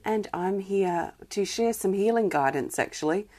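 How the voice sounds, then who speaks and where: A woman hosting a live healing-guidance stream, speaking gently with many pauses, a bit wheezy from irritated lungs. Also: medium pitch, lively intonation. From Australia. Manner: soft, gentle, greets viewers by name, many ums and restarts. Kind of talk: live-streamed spiritual chat.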